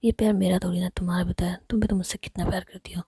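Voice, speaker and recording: A woman's voice: fairly low pitch, level tone, racing, creaky, warm tone, husky, no echo, studio quality, exaggerated voice. Woman whispering as a teasing young woman. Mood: affectionate.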